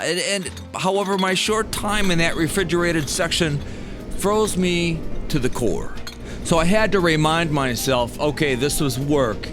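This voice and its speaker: A man narrating a scripted personal story with dramatic pauses and wry amusement, as a storyteller recalling his own past. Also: a little high, fairly bright tone. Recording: music behind the voice. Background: music bed.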